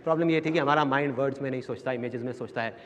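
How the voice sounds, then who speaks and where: A man from India giving a live motivational seminar talk, telling stories in a lively way and acting out voices. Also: mid-range voice, racing. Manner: lively storytelling with acted voices. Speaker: motivational speaker. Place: large hall with an audience. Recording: echoey hall with audience.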